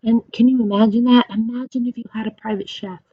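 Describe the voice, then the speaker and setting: A woman's voice: a little high, steady tone, quick pace, slightly rough. Woman reading aloud to kids, slightly muffled. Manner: explains in simple, kid-directed questions. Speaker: teacher reading aloud to children. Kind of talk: children's read-aloud with chatty explanations.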